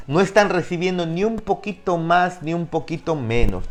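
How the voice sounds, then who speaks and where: Emphatic higher-voiced Bible teacher. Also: male voice. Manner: emphatic, asks the class questions. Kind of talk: online discipleship class.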